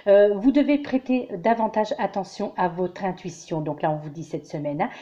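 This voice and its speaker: Tarot reader, female, rambling with fillers and restarts, mellow voice, dull recording. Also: mid-range voice, moderate pace. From France. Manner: hesitant, many fillers and repeated restarts; addresses listeners warmly as dear friends. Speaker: tarot reader giving weekly guidance. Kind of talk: casual spiritual monologue to viewers.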